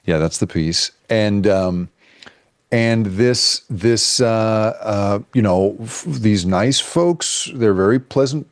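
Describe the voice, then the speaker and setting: A man with a low voice tells a story as a guest on a casual interview show. He talks in an animated way, breaking off into restarts and fillers. The sound is dry and close, with no room around it. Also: slow pace, no echo. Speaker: guest journalist.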